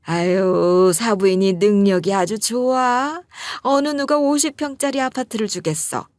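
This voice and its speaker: A woman voicing a wealthy, blunt older mother-in-law who talks loudly and freely. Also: mid-range voice, a little slow, no echo, close to an everyday voice. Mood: gushing. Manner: shrieking insults, then gushing.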